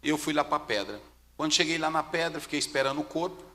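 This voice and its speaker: Male Brazilian pastor, bright forceful voice, lively pitch, dramatic sermon storytelling, hall reverb. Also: quick pace, a little hiss or hum. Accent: Brazilian Portuguese. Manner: dramatic storytelling, swings from hushed to shouting. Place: church.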